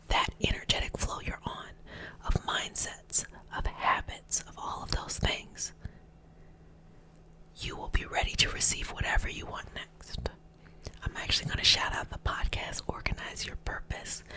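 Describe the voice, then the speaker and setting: A woman speaking in a breathy, unvoiced whisper, giving gentle, encouraging ASMR talk as a host and energy healer. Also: extremely high pitch, low-quality recording.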